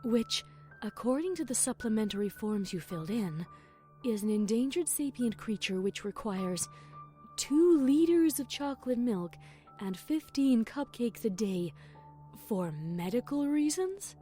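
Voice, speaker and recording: A woman playing a calm pony princess, measured, patient and gently wry, in an audio fan story. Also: fairly high pitch, faint music behind. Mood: dry, questioning.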